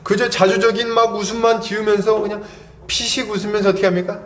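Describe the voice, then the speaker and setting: A man's voice: high-pitched, quick pace. A man in his thirties, a pastor, preaching a Sunday sermon and telling stories with many rhetorical questions. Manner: lively storytelling with rhetorical questions.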